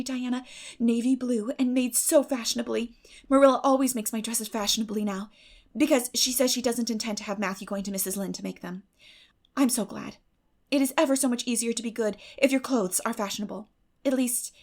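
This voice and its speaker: Lady doing a dreamy gushing schoolgirl for an audiobook, high voice, super earnest and breathless. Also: darkish tone, natural voice. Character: dreamy, effusive young schoolgirl, romantic and earnest. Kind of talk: dramatic audiobook character reading.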